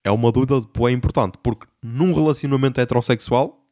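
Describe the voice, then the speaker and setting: A man's voice: mid-range voice, fast, a little mellow, no room sound, clean studio sound. A young man with a European Portuguese accent, telling a comic story as a podcast host in a slangy, exasperated way and swearing often. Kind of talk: comedic storytelling monologue.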